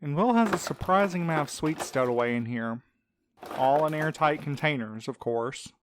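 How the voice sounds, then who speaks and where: A man's voice: a little high, expressive, moderate pace, noisy background, lightly acted. A man playing a teasing but supportive friend and coworker in a fiction podcast, with wordy, sarcastic quips. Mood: dry sarcasm. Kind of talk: fiction podcast audio drama acting.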